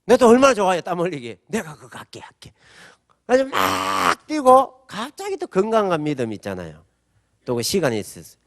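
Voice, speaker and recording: Man, middle-aged, pastor, sermon, fairly high voice, dry recording. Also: fairly quick, dry recording. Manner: animated storytelling with acted-out quotes; asks the audience call-and-response questions.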